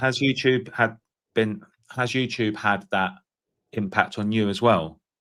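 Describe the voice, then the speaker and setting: This man has an English accent. He talks fairly slowly. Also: medium pitch for a man, ordinary pitch variation. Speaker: YouTube interviewer / podcast host. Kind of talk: interview host, casual conversation.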